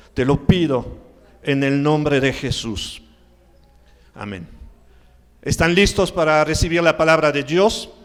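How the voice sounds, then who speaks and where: Someone with a non-native accent speaks at a very slow pace, with ordinary pitch variation and long, frequent pauses. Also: man, fairly high pitch for a man. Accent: foreign accent in Spanish. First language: not Spanish (speaking Spanish). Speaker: guest preacher. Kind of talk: sermon. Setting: church.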